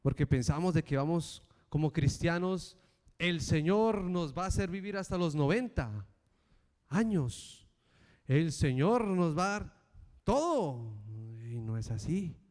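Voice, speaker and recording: A middle-aged male preacher giving a sermon and telling a personal story with animated, acted-out voices. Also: fairly high pitch, measured pace. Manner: animated storytelling, acting out the characters. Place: church. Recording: reverberant church hall.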